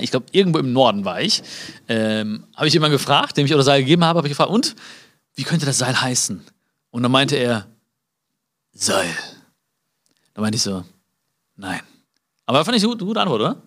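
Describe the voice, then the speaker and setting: A man giving a live motivational talk. He speaks to his listeners directly, acts out little dialogues and jumps high in pitch to stress a point. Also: fairly bright tone. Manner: many fillers and restarts, acts out small dialogues.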